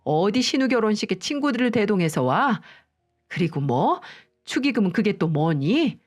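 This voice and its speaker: A woman voicing a furious older mother-in-law who scolds her daughter-in-law in a shrill voice. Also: big pitch swings, moderate pace. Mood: scolding.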